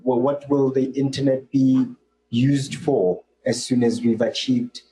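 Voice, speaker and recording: Man, dark relaxed tone, average pitch, halting delivery, panel questioner, rephrasing as he speaks. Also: poor audio. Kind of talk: unscripted public question.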